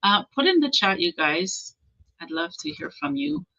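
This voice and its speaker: A woman's voice: sits high, sing-song, moderate pace, creaky, bright, forceful tone, lo-fi sound. A woman hosting a motivational livestream, encouraging her viewers, often checking in with "okay?" and reading out their comments. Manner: reads out and answers viewer comments. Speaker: livestream host.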